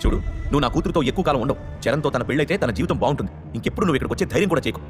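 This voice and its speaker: A man voicing a haughty, angry, wealthy middle-aged mother who scolds loudly. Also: mid-range voice, animated, very fast, long reverb tail, music in the background, natural voice. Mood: furious. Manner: scolding, scornful, loud.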